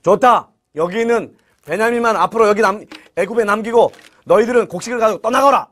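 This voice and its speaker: Joseph, a young ruler, speaks with a commanding edge that softens into gentle reassurance, as a man puts him on. The voice sits high and moves a lot. It belongs to a lively Bible story told to children. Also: moderate pace, full character voice. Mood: stern. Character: Joseph, stern then tender young male ruler.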